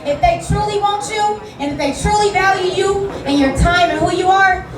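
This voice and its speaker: Woman, panel guest, emphatic advice, very high pitch, echoey hall, crowd noise. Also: normal speed, distant mic. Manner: emphatic, advice-giving, repetitive. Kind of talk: live stage panel talk. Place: large hall with live audience.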